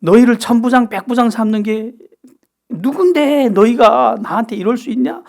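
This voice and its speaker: A man's voice: extremely high pitch, normal speed, gravelly, voice pushed up. A man doing furious King Saul. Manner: shouting accusations at his servants.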